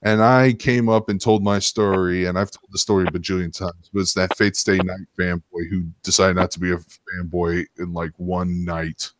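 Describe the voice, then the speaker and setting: A man's voice: sits low, level tone, normal speed, hardly any pauses. A man hosting a casual stream, telling stories in a rambling, sometimes profane way. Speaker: stream host. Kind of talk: casual storytelling chat.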